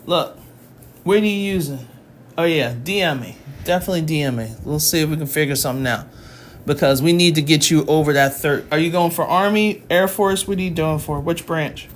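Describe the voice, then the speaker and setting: A woman's voice: sits low, fairly quick, slight background noise. A woman math tutor in her forties, chatting and teasing her live chat between lessons, talking into her phone at home. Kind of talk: casual livestream lesson.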